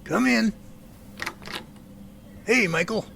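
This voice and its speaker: A man's voice: sits high, extremely slow, gravelly, heavy background noise, exaggerated voice. A man playing a genial middle-aged professor in an amateur audio drama, with courteous, folksy phrasing. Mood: friendly. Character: genial middle-aged professor running a Bigfoot research center.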